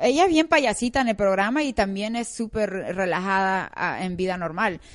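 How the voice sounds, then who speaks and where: A plain, everyday voice from a woman, medium in pitch, at a moderate pace against a quiet background. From Bolivia. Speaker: female boxing champion. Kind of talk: casual interview. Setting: in-person interview at home.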